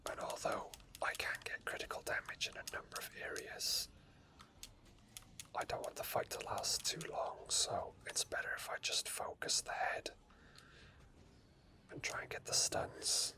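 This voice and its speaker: A man doing soft, rambling ASMR commentary over his own gameplay, thinking aloud in an unhurried way. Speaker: ASMR gaming video host. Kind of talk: whispered ASMR game commentary.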